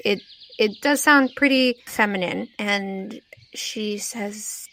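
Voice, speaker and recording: A woman's voice: mid-range voice, takes it slowly, bright, forceful tone. A woman improvising narration as game master of a tabletop role-playing game.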